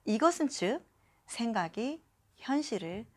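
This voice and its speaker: A woman's voice: fairly high pitch, very animated, unhurried. A young adult woman talking casually into her phone about a self-help book, acting out little quoted lines and often filling with short "yes" asides. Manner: chatty, acts out quoted lines, frequent filler "네". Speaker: channel host reading and commenting on a self-help book. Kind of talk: casual talk to camera.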